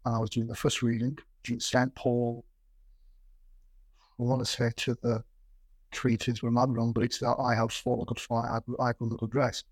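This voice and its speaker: A middle-aged man speaks with a slightly rough, husky voice and a noticeable stammer, repeating words as he goes. He is a plain-spoken executive answering interview questions conversationally. The sound is dry and close, with no real room to it. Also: mid-range voice, completely flat delivery, normal speed, no room sound, low-quality recording. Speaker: business executive being interviewed. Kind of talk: reflective conversational interview with anecdotes.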